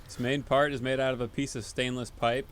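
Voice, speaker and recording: A man co-hosting a casual podcast, explaining at length in a relaxed way with many fillers. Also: medium pitch, a little fast, a little hiss or hum. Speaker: podcast co-host, band member. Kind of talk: casual chat.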